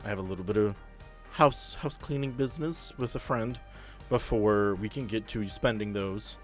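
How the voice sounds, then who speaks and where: A man's voice: lowish voice, moderate pace, soft background music. A man working as game master, moving between tabletop roleplay narration and casual chat.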